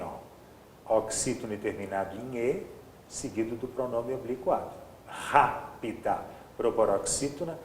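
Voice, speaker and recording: A man's voice: mid-range voice, roomy sound, slight background noise. A man teaching an exam-prep grammar lesson, explaining step by step and checking in with his students often.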